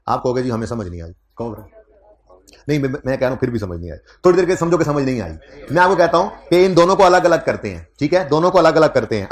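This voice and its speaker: A man giving a classroom accounting lecture, conversational, teasing his students and repeating key points. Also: on the high side.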